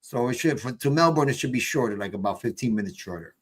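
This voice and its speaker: A man's voice: mid-range voice, lively intonation, fast talker, breathy edge. A man in his late fifties hosting a podcast, laid-back with hype interjections. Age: 50s. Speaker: podcast host. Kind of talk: casual podcast chat.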